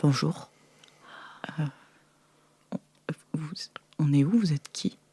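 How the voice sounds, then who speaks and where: A woman's voice: sits low, slow, dark tone, husky, no room sound, pitched below the performer's own voice, full character voice. A woman playing a shy, flustered young female streamer in an improvised audio role-play, speaking hesitantly with stammers. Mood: timid, confused. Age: young adult.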